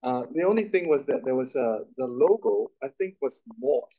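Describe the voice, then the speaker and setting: A man's voice: medium pitch, expressive, normal speed, vocal fry. A middle-aged man from Malaysia talks through his story in a chatty, self-deprecating way, often restarting his sentences. The recording sounds muffled and lo-fi. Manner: chatty, self-deprecating, many repeated starts. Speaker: guest speaker. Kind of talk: conversational interview on stage. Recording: dull lo-fi recording.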